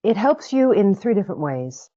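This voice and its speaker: A woman speaking as an interview guest, reflective and expressive, often repeating words as she thinks. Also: mid-range voice, normal speed. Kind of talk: interview conversation. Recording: muffled lo-fi recording.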